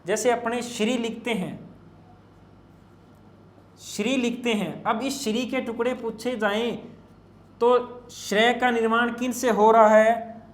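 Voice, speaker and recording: A man's voice: extremely high pitch, fairly even intonation, slow, pauses often, roomy sound. A man teaching Hindi grammar for exam prep, spelling out letters piece by piece and asking and answering his own questions. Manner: addresses students as children, asks and answers his own questions. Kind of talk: exam-prep classroom lecture.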